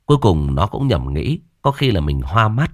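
Man, horror story narration, lively delivery, dry close sound. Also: sits low, normal speed, no echo.

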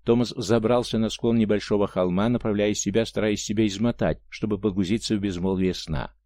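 A man narrating an audiobook in a steady, measured reading. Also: fairly low pitch, no room sound. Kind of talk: audiobook narration of science fiction.

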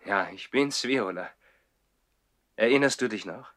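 An actor playing a passionate nobleman who lives in the trees and recalls his love in a measured, literary way, in a 1960s German radio play. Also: lowish voice, animated, a bit bright, no room sound, clean studio sound. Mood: tender.

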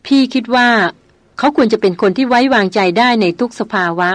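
A woman's voice: on the high side, fairly quick, no echo, voice pushed up, close to an everyday voice. A woman reading a thoughtful elder brother. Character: thoughtful older brother, leader of the expedition.

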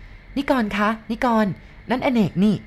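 A woman voicing an anxious young wife who calls out and pleads in a raised, higher voice. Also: a little slow, lightly acted. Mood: urgent, pleading.

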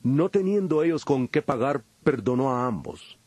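A man playing Jesus as a solemn, measured teacher preaching in a dramatized audio Bible. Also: mid-range voice, lively intonation, darkish tone, breathy edge, dry recording. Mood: measured, instructive.

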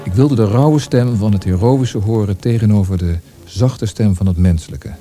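An actor playing a weary, melancholy poet, speaking in a lyrical, introspective manner in a literary radio drama. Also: male voice, on the low side, normal speed, dark tone, soft background music, natural voice. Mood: resolute, reflective. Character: brooding, weary, melancholy male Austrian poet.

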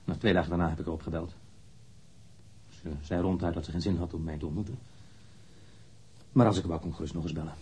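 An actor playing a defensive, wounded lover under police questioning in a radio drama, speaking bluntly and candidly. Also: male voice, low-pitched, steady tone, fast talker, long pauses, a little mellow, breathy edge. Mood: matter-of-fact.

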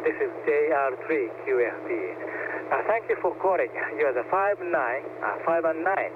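A man with a Japanese accent speaks in slow, formal radio phrasing, his voice squeezed through a narrow shortwave radio band. Steady static hisses under every word, and his voice sits a little higher than most men's. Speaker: radio host demonstrating a ham radio call. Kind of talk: scripted ham radio exchange in English.

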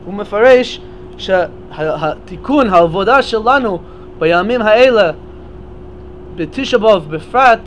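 A man's voice: sits high, lively intonation, slight background noise. A man giving a Torah lecture at a memorial gathering, explaining step by step and often restarting his words.

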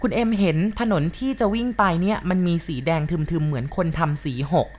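Low-voiced woman telling a ghost story. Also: a little hiss or hum. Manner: calm, polite, measured retelling with soft sentence endings. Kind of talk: narrating a listener's ghost story.

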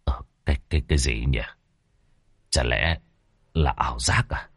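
Man doing a gruff frightened old man. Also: a bass voice, normal speed, pitched below the performer's own voice. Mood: muttering. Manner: muttering, wailing.

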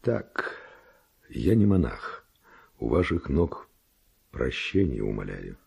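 An actor playing a bold, passionate Spanish nobleman and seducer in a verse radio drama, declaiming ardently in a gravelly, husky voice. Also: very deep voice, sing-song, slow, darkish tone, full character voice. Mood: pleading, passionate.

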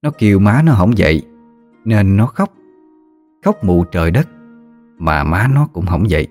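Very deep male storyteller, somber ghost-story narration over faint music. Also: very animated, unhurried, a little mellow.

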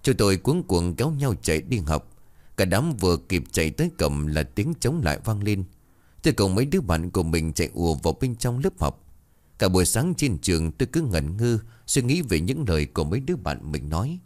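Male horror storyteller, deep voice, expressive scripted narration. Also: fairly quick. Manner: dramatic, suspenseful reading.

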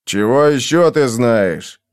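A man voicing a sullen, menacing scarred brute who growls slowly. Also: medium pitch, lively intonation, clear, resonant tone. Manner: growling, slow and threatening.

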